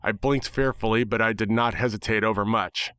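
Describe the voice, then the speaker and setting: A man's voice: fairly low pitch, fairly even intonation, a little fast, bright, forceful tone, smooth, no room sound, studio quality. A man giving a dramatic first-person reading of a story as its narrator. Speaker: narrator of fan fiction.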